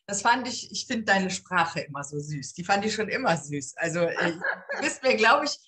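A middle-aged woman hosting a podcast over a video call, chatty and lively in casual conversation. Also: mid-range voice, normal speed. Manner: lively, chatty, laughs easily. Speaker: podcast host, lawyer. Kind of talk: casual interview chat. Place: home, indoors, green screen.

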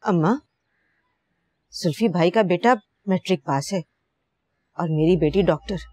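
A woman's voice: on the low side, measured pace, a little mellow. An actress playing a busy, bossy middle-aged mother in a TV drama, ordering people around with exasperation. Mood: defensive. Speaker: mother of the bride. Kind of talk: TV drama acting.

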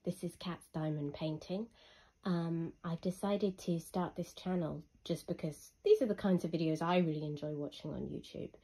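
A young woman talks through her review in a relaxed, chatty way, often pausing on an um. Her voice is husky from illness, with a warm, mellow tone that sits a little low. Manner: chatty and unhurried, with frequent ums. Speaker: hobby reviewer. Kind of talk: casual product review voice-over.

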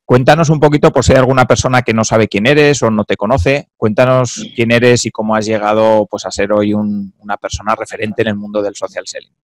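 A man in his thirties hosts an interview, friendly and clear in his phrasing. The sound is dry and close, with little room echo. He is on a webcam video call. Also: on the low side, flat delivery, brisk. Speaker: podcast host. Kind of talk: interview host, scripted intro then conversation.

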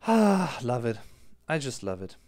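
A man's voice: mid-range voice, unhurried, no echo. A man in his thirties with a German accent, a native German speaker, casually explaining song lyrics as a music reaction streamer on a headset. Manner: animated, gesturing with his hands. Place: small indoor room.

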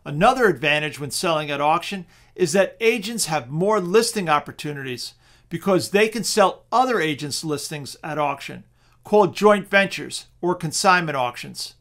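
Man, high-pitched voice, middle-aged, persuasive scripted webinar narration. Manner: steady, persuasive sales pitch. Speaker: real estate auction presenter.

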